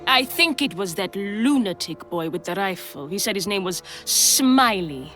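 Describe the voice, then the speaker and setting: Wry, theatrical madam, music behind. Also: female voice, mid-range voice, expressive, measured pace, fairly bright tone. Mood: gossipy. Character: worldly, sardonic, protective brothel madam. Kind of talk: scripted game dialogue.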